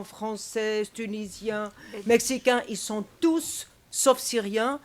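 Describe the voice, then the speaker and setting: A Syrian-born woman speaking from the audience at a press panel, hesitant with many fillers and growing heated. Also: mid-range voice. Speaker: audience member. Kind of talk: impassioned statement at a press panel.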